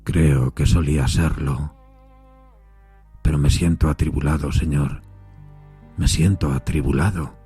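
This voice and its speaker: A man voicing a troubled, deferential railway signalman in a gothic audio story, speaking gravely, slowly and in a hushed way. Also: extremely low pitch, steady tone, soft background music, pitched below the performer's own voice, exaggerated voice. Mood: troubled, resigned. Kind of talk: dramatised gothic audiobook dialogue.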